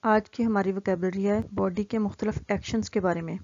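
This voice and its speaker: A woman teaching vocabulary, explaining each word and reading the example sentences out very slowly and deliberately. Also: medium pitch, steady tone, darkish tone, highs cut off.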